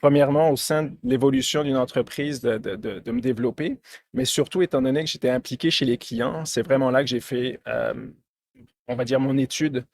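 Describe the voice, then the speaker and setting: Homme à l'accent français et québécois mêlés, débit rapide. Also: male voice, medium pitch, lively intonation, a little mellow. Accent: French mixed with Québécois. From France. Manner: fast, filler-heavy, many restarts. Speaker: sales director, guest. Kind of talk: interview answers.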